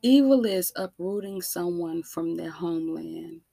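A woman with an African American accent delivering an impassioned monologue, emphatic and deliberate, with rhetorical questions and repetition. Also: lowish voice, vocal fry, dark tone, no room sound. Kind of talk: impassioned spoken monologue to listeners.

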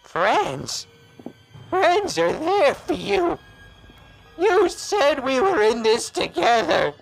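An actor playing a sadistic, vengeful monster in a horror audio drama, with gravelly, mocking menace. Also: sits high, wildly swooping pitch, faint music behind, heavily acted, low-quality recording. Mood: vengeful, taunting. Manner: menacing, drawn-out, mocking taunts.

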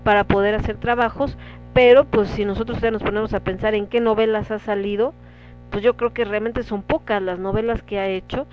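A woman with a Mexican Spanish accent hosting a casual talk show, chatting with listeners and reading out their comments. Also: medium pitch. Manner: conversational, reads listener comments aloud. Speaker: radio show host. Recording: dull lo-fi sound with faint music.

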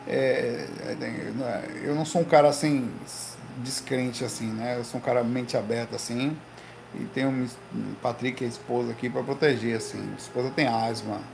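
Livestreaming from a room in his home in Recife, Brazil, a man tells animated, slangy stories to viewers, peppering them with "velho" and "cara." His mid-range voice is creaky, his pace moderate, and there's background noise.

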